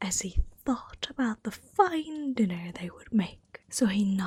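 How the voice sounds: The natural reading voice has lively intonation.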